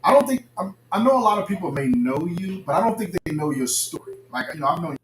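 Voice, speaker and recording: A man hosting a casual chat, asking quick, eager questions. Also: a little high, animated. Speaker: host. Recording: echoey room, faint noise.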